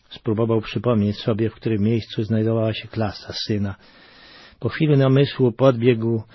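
Husky-voiced man reading a moving story. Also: on the low side, no room sound. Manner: earnest, emotional reading with dramatic swells and hushed drops. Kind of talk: read-aloud storytelling. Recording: dull, muffled sound.

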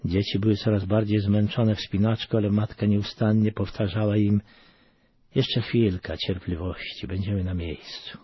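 Male storyteller, low husky voice, dry muffled recording, earnest emotional read-aloud. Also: little pitch movement, moderate pace. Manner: earnest, emotional reading with dramatic swells and hushed drops. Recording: dull, muffled sound.

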